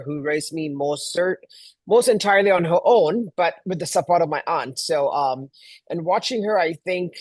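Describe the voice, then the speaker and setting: A man's voice: on the high side, no room sound. A middle-aged man from Malaysia answering interview questions as a guest, telling personal stories in a conversational way. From Kuala Lumpur, Malaysia. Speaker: guest, event planner.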